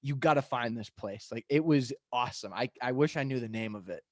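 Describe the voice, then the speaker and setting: Relaxed New England guy, dry sound. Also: medium pitch, brisk, no echo. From New Hampshire, US. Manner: relaxed, lots of "like" and "I mean". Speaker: podcast host. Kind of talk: casual podcast chat.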